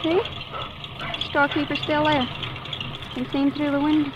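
Woman acting a high-voiced reckless teen girl. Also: flat delivery, moderate pace, close to an everyday voice. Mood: goading, eager. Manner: goading, rural slangy grammar. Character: reckless, taunting teenage girl out for thrills. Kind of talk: 1950s radio drama acting. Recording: muffled, noisy 1950s radio recording.

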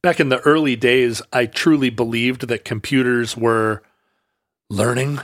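A man co-hosting a podcast in casual conversation, talking haltingly with many restarts and fillers. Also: mid-range voice, fairly even intonation, no room sound, studio quality. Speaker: podcast co-host.

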